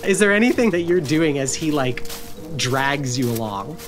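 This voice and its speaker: An American woman game master narrates a tabletop adventure in a low voice. She describes the scene and addresses the players directly over clearly audible music. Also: expressive, moderate pace.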